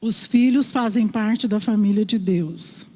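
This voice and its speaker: A woman from Brazil preaching a sermon, telling stories in a lively storyteller's way. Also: medium pitch, unhurried. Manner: storytelling, animated voices for quoted father. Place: church hall. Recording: reverberant church hall.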